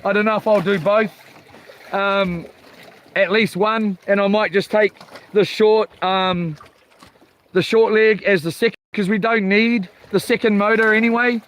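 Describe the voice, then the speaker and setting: High-voiced man with broad Kiwi accent. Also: fairly even intonation, unhurried, fairly bright tone. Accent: broad New Zealand. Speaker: fishing livestream host. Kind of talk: casual live vlog chat. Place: outdoors on a small boat at sea. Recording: faint outdoor water and boat noise.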